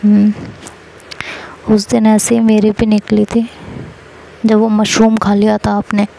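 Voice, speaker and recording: A woman's voice: medium pitch, monotone, unhurried, vocal fry, mellow, a little hiss or hum, rough recording. A woman voicing a sulky, playful young wife who pleads and pouts at her husband. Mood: sulking. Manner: pleading, pouting.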